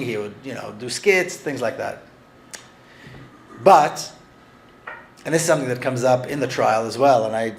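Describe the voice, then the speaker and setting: Man, author talking through his book, earnest and halting, mid-pitched voice. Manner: earnest, halting with frequent restarts. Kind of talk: conversational talk with read-aloud passages.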